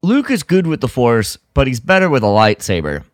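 A man's voice: mid-range voice, huge pitch swings, brisk, dry recording, studio quality. A man co-hosting a podcast, talking in casual fan chat. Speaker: podcast co-host.

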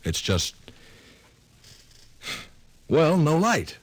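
An actor playing a sceptical, easily rattled reporter in a 1950s radio drama, questioning, stammering and repeating himself on a vintage recording. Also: male voice, fairly high pitch, wildly swooping pitch, extremely slow, heavily acted. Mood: sceptical, agitated.

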